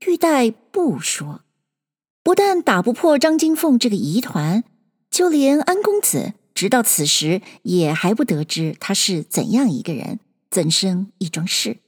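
Woman reading an old novel aloud, slow and expressive, lots of reverb. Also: fairly high pitch. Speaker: storyteller.

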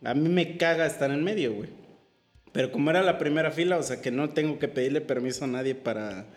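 A man with a Mexican accent telling a story to friends in casual slang, animated and often laughing as he talks. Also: fairly high pitch, quick pace, soft background music. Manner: slangy, drops "güey" constantly. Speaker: podcast co-host telling a story.

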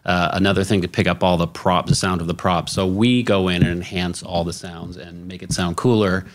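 Deep-voiced LA guy, laid back, laughs a lot, lots of uhs. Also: fairly even intonation, brisk. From Los Angeles. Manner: easygoing, laughs often, filler uhs. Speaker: guest, Foley artist. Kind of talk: casual interview chat.

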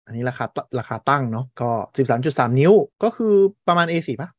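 A man co-hosting a tech podcast who talks quickly in loose, blunt banter. His voice sits at a middle pitch, and the recording is dry and close, with no room sound. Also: no room sound. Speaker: podcast co-host. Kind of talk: casual tech chat.

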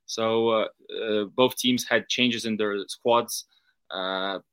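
A man from Belarus answering interview questions as a football reporter, in a halting, careful and noncommittal manner. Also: on the low side, steady tone, noisy background. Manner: hesitant, halting, measured, hedging answers.

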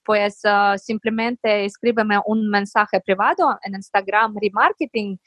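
A woman's voice: mid-range voice, measured pace, a bit bright, no echo. Earnest woman podcast guest, dry sound. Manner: earnest, encouraging; searches for words. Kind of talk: podcast interview.

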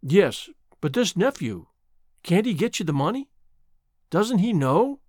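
A man's voice: high-pitched, very animated, moderate pace, no room sound, clean studio sound, pitched above the performer's own voice. A man reading aloud, voicing an earnest, caring young woman who presses questions insistently. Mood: urgent. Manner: insistent, pleading.

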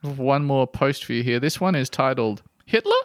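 A man co-hosting a comedy podcast, reading out listener posts and adding deadpan jokes. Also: medium pitch, moderate pace, no room sound, clean studio sound. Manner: jokey, deadpan asides, frequent laughs. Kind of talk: casual comedic podcast chat.

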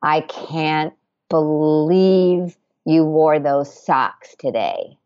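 Woman doing a scolding inner-critic voice, contemptuous, low, drawn-out and slow, dull lo-fi sound. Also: expressive, a little mellow, smooth, heavily acted. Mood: scornful. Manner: contemptuous, berating.

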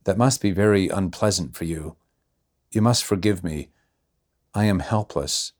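A man voicing a gravely ill, helpless gentleman who speaks weakly and pleadingly in a storybook reading. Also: deep voice, measured pace. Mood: apologetic. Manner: weak, pleading.

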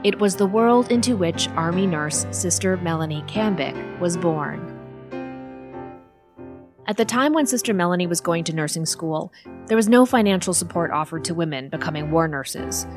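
A woman's voice: lowish voice, lively intonation, normal speed. Woman narrating a documentary over music. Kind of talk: scripted narration.

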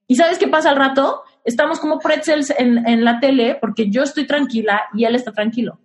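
A frank young Mexican woman talks through relationship advice in a casual, conversational way, often putting questions to her listener. Her voice sits a little higher than most. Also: a little fast. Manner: frank, uses rhetorical questions. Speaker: podcast host giving relationship advice.

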